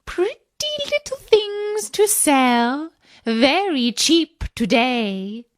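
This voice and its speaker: Wicked queen posing as an old peddler, voiced by a woman, wheedling, sing-song, high and strained, dry sound. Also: big pitch swings, extremely slow, dry recording, heavily acted.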